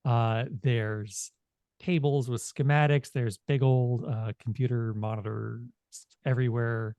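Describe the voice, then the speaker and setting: A man speaking in a halting, informal way as he narrates a tabletop game as game master. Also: mid-range voice, fairly even intonation, a little mellow, clear, resonant tone, dry recording.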